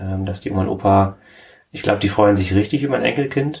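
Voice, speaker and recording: A normal speaking voice from a man, fairly low in pitch, with ordinary pitch variation. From East Frisia, northern Germany. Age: 30s. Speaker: engineer and sailor. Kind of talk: casual interview.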